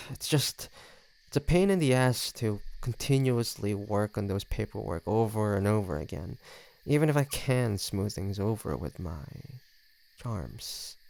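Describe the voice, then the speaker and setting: Man voicing a smug, creaky low-voiced flirty vampire. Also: lively intonation, unhurried, darkish tone. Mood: flustered, defensive. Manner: teasing, smug, sardonic. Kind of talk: scripted audio roleplay addressed to the listener.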